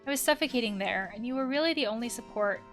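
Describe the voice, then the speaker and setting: A woman reads the part of a troubled young trans woman of eighteen in a video game. The voice is fairly high, earnest and confessional, over faint music. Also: lively intonation, fast talker, fairly bright tone. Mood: relieved, confiding. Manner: confessional, reading out written messages.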